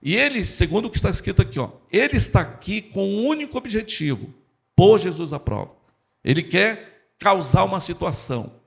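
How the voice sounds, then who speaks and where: A man's voice: high voice, sing-song, brisk, creaky. A man preaching a sermon in church, talking directly to the congregation. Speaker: pastor.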